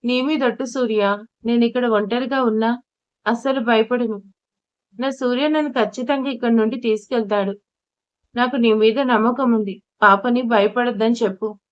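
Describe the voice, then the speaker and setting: A woman's voice: a little high, steady tone, normal speed, close to an everyday voice. A woman reading a tearful, brave young wife. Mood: tearful resolve. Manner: pleading, resolute. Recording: dull lo-fi recording.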